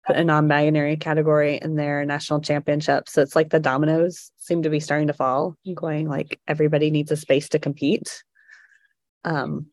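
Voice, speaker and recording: Woman cohost, really low voice, dead dry sound, teasing. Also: little pitch movement, a little fast, a little mellow, no echo. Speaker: podcast co-host. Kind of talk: casual podcast chat.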